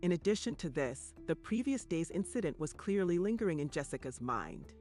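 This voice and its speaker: A man reading scripted true crime documentary narration in a grave, measured way. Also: fairly high pitch, very animated, a little mellow, soft background music.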